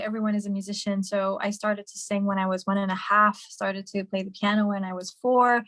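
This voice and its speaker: A woman's voice: medium pitch, a bit bright, dry recording. A young woman from Hungary, a singer and musician, answering interview questions in a chatty way with many fillers and restarts over a video call.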